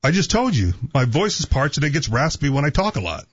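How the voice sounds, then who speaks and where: A man's voice: a little high, very animated, fast, husky. Teasing man bantering on talk radio, dull sound. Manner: teasing, crude joking. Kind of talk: casual argumentative banter on a live call-in show.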